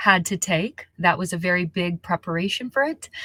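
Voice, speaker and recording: A woman talks at a fairly slow pace in a medium-pitched voice with a bright, sharp tone. The recording is very clean with a silent background, and the sound is dry and close with no echo. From Brazil. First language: Portuguese. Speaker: astrologer. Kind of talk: interview.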